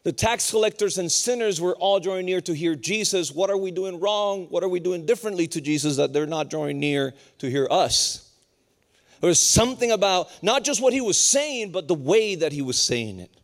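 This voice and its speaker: Lively Puerto Rican-born preacher man. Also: normal speed. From Puerto Rico. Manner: lively, humorous preaching that climbs higher and more intense as it goes. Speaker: pastor. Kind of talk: sermon.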